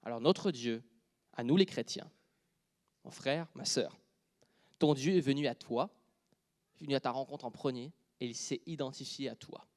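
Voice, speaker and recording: A man with a Quebec French accent preaching a sermon, dropping to a near whisper and then joking loudly with the congregation. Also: mid-range voice, normal speed, long pauses. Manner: shifts from quiet intimate speech to loud joking with the congregation.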